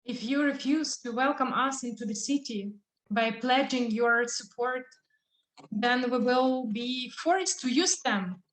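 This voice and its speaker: A woman's voice: fairly high pitch, slow, fairly bright tone. A woman playing a defiant fugitive pleading for asylum in a solemn, insistent Greek tragedy reading. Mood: warning. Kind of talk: live dramatic reading of ancient Greek tragedy. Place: echoey room on a video call. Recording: roomy, echoing video call audio.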